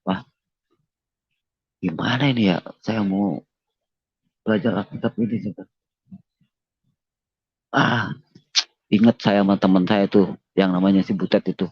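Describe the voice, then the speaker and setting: A man's voice: lowish voice, fairly even intonation, a little slow, pauses often, breathy edge, no room sound. A man giving an emotional personal testimony in an interview, earnest, repeating himself and politely addressing his listener as sir. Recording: dull lo-fi dry recording.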